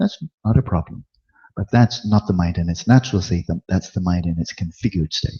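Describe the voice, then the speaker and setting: A man's very deep, low voice comes across as somewhat breathy. His pitch varies in an ordinary way, and his pace is fairly quick. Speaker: Buddhist meditation teacher. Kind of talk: dharma talk at a retreat. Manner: fast; speaks in short segments for interpretation.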